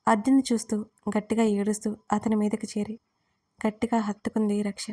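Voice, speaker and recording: A woman storyteller reading a scripted drama with calm, measured narration. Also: mid-range voice.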